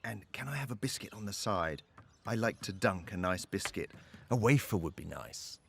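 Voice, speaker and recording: A woman's voice: extremely low pitch, lively intonation, moderate pace, vocal fry, noisy background, full character voice. A woman voicing a genial, particular tea drinker in a cartoon, politely mock-posh.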